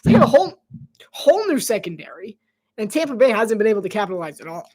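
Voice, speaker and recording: A man calling a game live in a loose, conversational way, wandering into side stories between plays. He laughs often and sometimes drops his voice to a near whisper for quick asides. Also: sits high, very animated, a little mellow. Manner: chatty, rambling asides, frequent laughs. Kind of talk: casual play-by-play livestream commentary.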